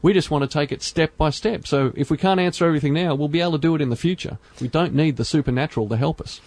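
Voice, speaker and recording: A man hosting a podcast, speaking earnestly in measured phrases with frequent fillers. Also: on the high side, a little mellow, no room sound. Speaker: podcast host. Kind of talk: casual podcast discussion.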